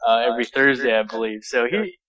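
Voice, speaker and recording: A man's voice: medium pitch, lively intonation, fast, a bit bright, dull audio. A man hosting a podcast in a casual, conversational style. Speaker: podcast host, indie game developer.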